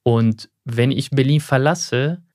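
Here the same young guest from Syria answers interview questions in German, which isn't his first language, pausing to find words and slipping up now and then. He has a mid-range, slightly mellow voice and takes his time. There's no echo, just clean studio audio.

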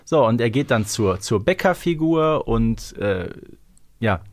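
Playful man with a mid-pitched voice. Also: expressive, measured pace. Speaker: podcast co-host. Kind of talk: conversational episode recap.

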